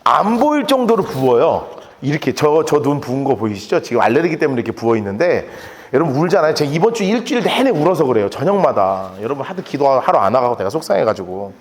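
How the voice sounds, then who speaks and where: A man preaching a sermon as a pastor, telling the story in a lively way and acting out the quotes. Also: medium pitch, fast. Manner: animated, lively storytelling with acted-out quotes and laughter. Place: church sanctuary. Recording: echoey church hall with long reverb.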